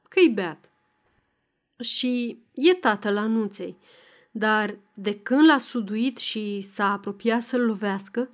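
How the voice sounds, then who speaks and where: A woman narrating a novel as an audiobook reader, in a measured, expressive reading. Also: fairly high pitch.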